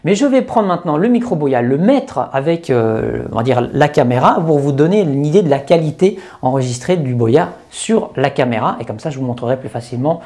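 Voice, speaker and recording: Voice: mid-range voice, animated, a little fast, few pauses, mellow. A YouTuber reviewing gear in a chatty, step-by-step way with many hesitations, speaking into a lapel mic. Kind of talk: casual tech review. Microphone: lapel microphone.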